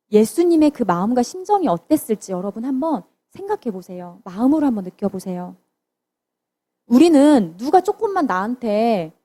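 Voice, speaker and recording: A woman's voice: high-pitched, warm tone. A woman preaching to children in church, telling the story and asking them questions. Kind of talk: children's sermon.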